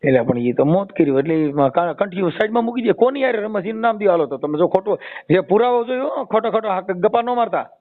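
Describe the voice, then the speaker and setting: A man's voice: high voice, lively intonation, fast talker. A man with a Saurashtra Gujarati accent in a casual phone conversation, teasing and questioning, often repeating and rephrasing what he hears. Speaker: host mediating a family dispute by phone. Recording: tinny, narrow phone-call audio.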